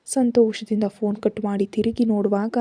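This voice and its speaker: A woman narrating a dramatic story in an even, soft reading manner. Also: medium pitch, moderate pace, no echo. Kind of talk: read-aloud narration.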